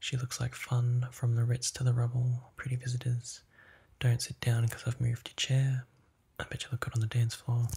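In a dark, mellow tone, a man speaks at a moderate pace, somewhat breathy, with monotone, flat intonation. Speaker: vlogger. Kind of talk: casual vlog chat. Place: home room.

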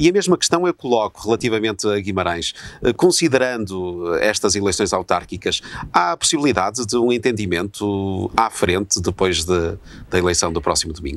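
A man's plain, everyday voice, fairly low in pitch with lively intonation, at a moderate pace in a dry sound with no echo. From Portugal. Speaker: political interviewer. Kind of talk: political interview. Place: garden.

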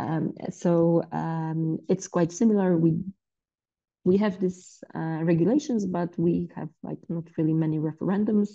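With a Polish accent, a woman speaks fairly slowly in a dark, mellow, fairly low-pitched voice with ordinary pitch variation over a quiet background. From Poland. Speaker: academic discussant; panel discussant. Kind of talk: panel discussion. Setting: video call. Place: home room. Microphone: earbuds.

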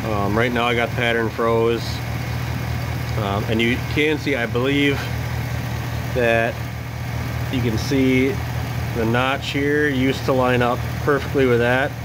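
The speech goes at a fairly slow pace, broken by long, frequent pauses. Noticeable background noise runs underneath. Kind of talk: tutorial. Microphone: phone near.

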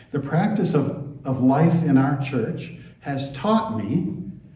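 Speaking at a very slow pace, a man keeps ordinary pitch variation while audible room echo surrounds his voice. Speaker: priest. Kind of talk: sermon. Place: church. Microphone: camera far.

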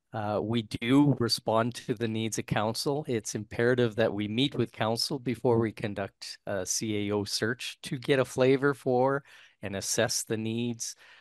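With a Canadian accent, a man talks at a fairly slow pace and medium pitch, his intonation fairly even and hardly any pauses, in a dry sound with no echo against a quiet background. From Canada. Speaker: executive search firm president. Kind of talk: interview. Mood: friendly, smiling. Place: home room. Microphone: headset.

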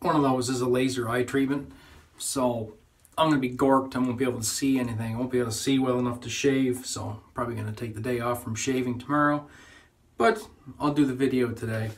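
A man's very fast speech in a monotone, flat intonation. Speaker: shaving vlogger. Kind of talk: casual vlog chat. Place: bathroom. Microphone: phone near.

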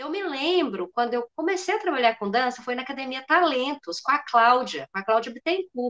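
Her pitch is high and swings very widely. The woman speaks with hardly any pauses. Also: moderate pace, quiet background. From Minas Gerais, Brazil. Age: 40s. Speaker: dancer and psychologist. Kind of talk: talk about her career. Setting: video call. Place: home room. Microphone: video call.

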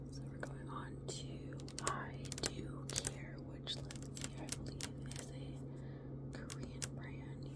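Whispering very slowly, a woman speaks over noticeable background noise. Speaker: ASMR creator. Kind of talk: ASMR whispered show and tell. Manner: whispered.

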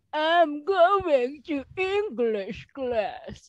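A high-pitched, put-on character voice.

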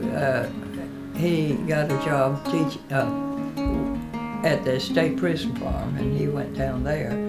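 Loud music plays in the background as a woman talks. She has a Southern US accent and a fairly slow pace. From Florida. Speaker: retired teacher. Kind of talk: interview answer. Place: home room.

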